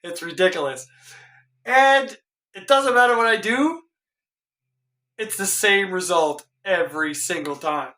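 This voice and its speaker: Hoarse, puzzled guitar-tech man. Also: high voice, lively intonation, a little slow, pauses often, bright, forceful tone. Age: middle-aged. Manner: exasperated and puzzled, thinking aloud. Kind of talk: casual vlog. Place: home guitar workshop, indoors. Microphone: camera a few feet away.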